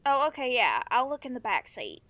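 A woman acting a guilt-ridden, blunt young runaway with powers in a naturalistic audio drama, talking in a halting, slangy, confessional way. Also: a little high, huge pitch swings, a bit bright. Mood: dry, casual. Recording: music behind the dialogue. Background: music.

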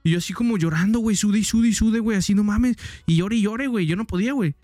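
Man, podcast storyteller, fairly high voice, dry close sound, acts out noises. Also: rapid-fire, dry recording, soft background music. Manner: animated, mimics sounds, says "güey" constantly. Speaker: podcast co-host. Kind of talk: casual storytelling.

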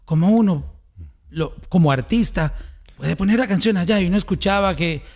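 A man's voice: high-pitched, normal speed, a little mellow. A man from Colombia with a Colombian accent, hosting a conversational interview. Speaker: host.

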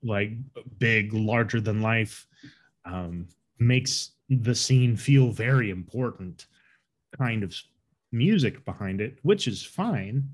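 A man's voice: lowish voice, animated, slow pace. A man co-hosting a podcast, talking casually about a movie, with frequent restarts and a rambling, opinionated way of talking. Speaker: podcast co-host. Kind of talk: casual movie review chat.

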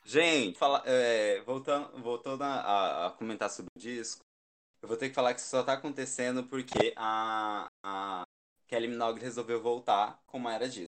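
A man's voice: mid-range voice, normal speed, crowd noise. Gushing Brazilian man chatting. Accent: Brazilian Portuguese. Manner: gushing, emphatic fan talk. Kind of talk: casual chat.

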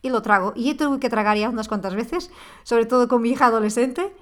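A woman hosting a parenting podcast. Her voice sits a touch higher than most women's. She addresses the listener directly, and her tone is earnest and quick to become impassioned. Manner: speaks straight to the listener. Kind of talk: podcast monologue.

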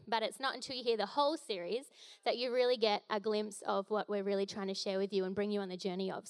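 A woman's voice: on the high side, clear, resonant tone. A young woman giving a casual, jokey sermon as a guest preacher, with playful asides.

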